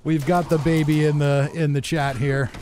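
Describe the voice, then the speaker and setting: A man's voice: fairly high pitch, little pitch movement, moderate pace, darkish tone. A man of forty chatting casually and good-humouredly as a game streamer, reading out viewer comments as he plays. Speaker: game livestreamer. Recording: game noise and gunfire behind voice. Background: video game sounds, gunfire.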